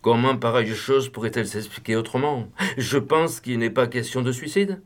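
A man's voice: mid-range voice, moderate pace, natural voice. A man voicing an anxious young male secretary in an audiobook, shaken but composed. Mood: puzzled.

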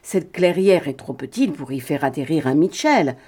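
A woman voicing a calm, steady male pilot hero in a read-aloud adventure story, with a measured manner. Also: low voice, husky. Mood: calm, firm.

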